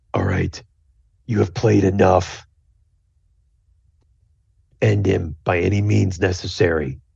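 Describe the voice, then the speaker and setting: A man uses a put-on character voice, raspy and very deep in pitch. He goes at a fairly slow pace with long, frequent pauses. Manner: commanding, ominous.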